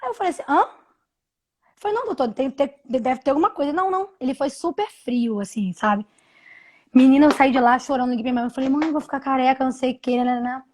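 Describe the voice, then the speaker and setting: High-voiced woman in her thirties. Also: darkish tone. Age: 30s. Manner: halting, many restarts and repeated words. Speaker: interview guest. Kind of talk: personal story on a live video call. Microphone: video call from home.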